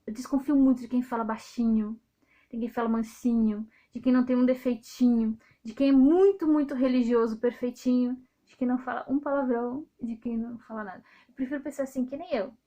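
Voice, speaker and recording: A Brazilian woman in her thirties, speaking with a Brazilian accent, talking straight to her viewers in a loud, outspoken, indignant way. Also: a little high, steady tone, brisk, dull audio. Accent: Brazilian Portuguese. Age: 30s. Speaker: video host. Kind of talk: casual monologue to viewers.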